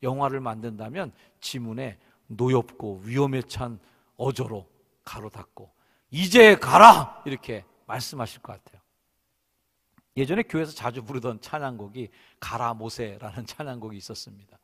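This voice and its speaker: A male senior pastor preaching a sermon in a church sanctuary, animated and acting out the voices in his stories. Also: medium pitch, moderate pace, breathy edge, long reverb tail.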